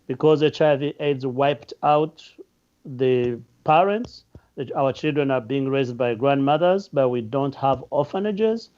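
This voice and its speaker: A man's voice: medium pitch, a little slow, a little mellow. A man with a Ugandan accent introducing his nonprofit on a panel in an earnest way, with light jokes. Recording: muffled lo-fi audio.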